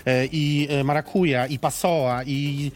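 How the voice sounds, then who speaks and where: A man's voice: fairly high pitch, fairly even intonation, a little slow. A man hosting a casual chat over drinks, playful and joking, swearing casually. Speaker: host.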